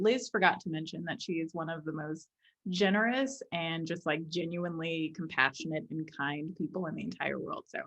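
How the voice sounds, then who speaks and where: A woman with a slightly low voice hosts a casual interview, gushing and effusive in her praise of her guest. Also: fairly bright tone. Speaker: host.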